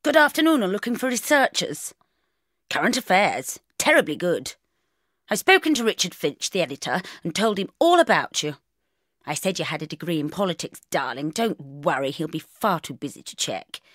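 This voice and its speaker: A brisk British mum takes charge, swooping her voice up and down as she barks cheerful orders, as a woman reads her. She sounds theatrical and emphatic. The sound is close and dry. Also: on the low side, sing-song, fairly bright tone, no echo. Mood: gushing. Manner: gushing, emphatic, commanding. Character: brisk bossy middle-aged mother, breezy and theatrical.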